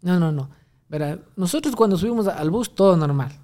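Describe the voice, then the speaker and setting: A man's voice: sits high, lively intonation, fairly quick, dark tone. A young man, rambling through a story in casual chat, full of restarts and fillers. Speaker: guest telling a story.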